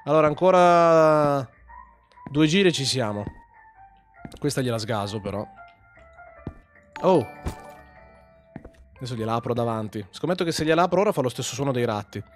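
A man giving joking, swearing commentary over a horror game, yelling when startled. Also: mid-range voice, lively intonation, normal speed, long pauses, faint music behind. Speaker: gaming host. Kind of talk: horror let's play commentary.

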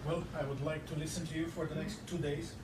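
A man from Romania moderates a lecture, speaking in a somewhat high voice from across a large, roomy hall. He keeps the time with polite, courteous remarks. A clear hum runs beneath his voice. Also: level tone, quick pace. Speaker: event moderator. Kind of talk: chairing a lecture Q&A. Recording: echoey hall, heard from far off, clear background hum.

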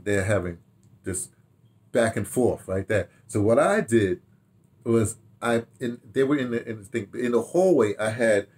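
An American man in his sixties reminisces casually in a rambling, halting way, repeating words and throwing in animated asides, recorded in a home study. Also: lowish voice. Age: 60s. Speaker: radio drama director telling his history. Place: small home study, indoors.

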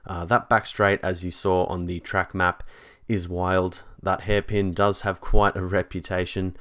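A man's voice: sits low, level tone, measured pace, a bit bright, no echo, clean studio sound. A young man, chatting casually and enthusiastically as he vlogs outdoors at a racetrack. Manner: chatty, enthusiastic, many ums and likes. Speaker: vlogger. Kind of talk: casual vlog commentary.

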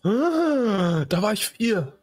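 A wary teenage boy, played by a man at a tabletop game, questions everything nervously in a high voice that leaps up and down. He sounds confused and on guard. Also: sing-song, slow, exaggerated voice.

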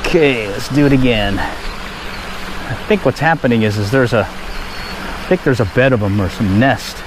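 A man's voice: medium pitch, a little slow. Man narrating his fishing outdoors. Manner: relaxed, chatty, pleased exclamations at each catch. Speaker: fishing vlogger. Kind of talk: casual running commentary while fishing. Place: outdoors at a park pond. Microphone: head-mounted action camera. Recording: outdoor action-camera audio with background noise.

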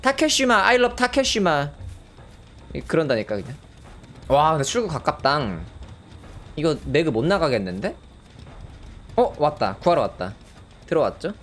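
Excitable streamer man, very lively pitch. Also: moderate pace, long pauses. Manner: excitable, bursts into loud surprised exclamations. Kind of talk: casual live gameplay commentary. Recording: game music behind the voice. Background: game music.

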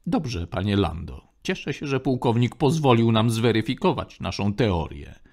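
A man's voice: on the low side, big pitch swings, moderate pace, gravelly, darkish tone, full character voice. A man voicing a fussy, polite male protocol droid in a formal, deferential manner.

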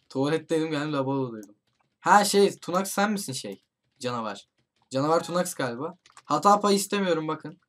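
A man playing a horror game online with friends, commentating for his channel and urgently shouting warnings to his teammates. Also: on the high side. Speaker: gaming YouTuber. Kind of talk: excited let's-play commentary with friends.

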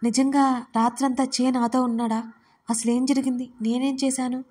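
Hungover young woman, cranky and confused, snapping in high sharp bursts, read by a woman narrator. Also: flat delivery, moderate pace. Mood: startled. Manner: complaining, sharp outbursts.

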